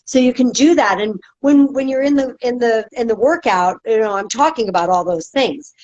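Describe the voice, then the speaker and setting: With a slightly high, darkish voice at a normal pace, a woman chats casually as a podcast guest; she teaches movement and dance. Fillers and restarts crop up often, and the recording is dull and lo-fi.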